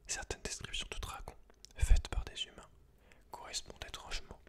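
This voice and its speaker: A man reading aloud in a breathy, unvoiced ASMR whisper, slow and hushed, with casual asides. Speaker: ASMR creator.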